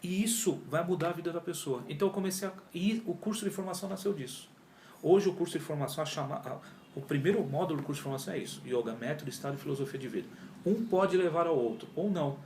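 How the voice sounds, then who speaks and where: A man's voice: fairly high pitch, fast talker, a little hiss or hum. A man, telling his story as an interview guest, acting out past conversations and using lots of slang. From Brazil. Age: 40s. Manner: animated storytelling, acts out his own past dialogue, heavy slang. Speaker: yoga teacher, interview guest. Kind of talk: casual interview chat. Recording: echoey room with faint ambience.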